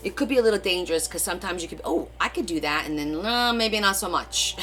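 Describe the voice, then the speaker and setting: Chatty middle-aged woman, lowish voice. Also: animated, fairly quick, a bit bright, faint music behind. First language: Portuguese. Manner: chatty and rambling, answers viewer comments. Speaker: crafting livestream host. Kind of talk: casual live-stream chat.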